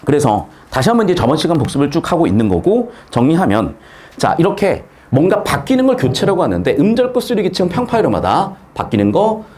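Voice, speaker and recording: A middle-aged man teaching grammar in a casual lecture, asking rhetorical questions and dropping blunt slangy asides. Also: brisk. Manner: lively, swings pitch widely, asks rhetorical questions, blunt slangy asides. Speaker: Korean grammar tutor.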